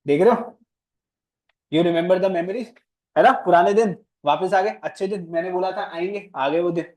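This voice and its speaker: Brief: male commerce teacher, slightly high voice, playful, quizzes students. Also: normal speed, a little mellow. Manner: playful, teasing, questions students. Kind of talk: classroom lecture. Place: classroom.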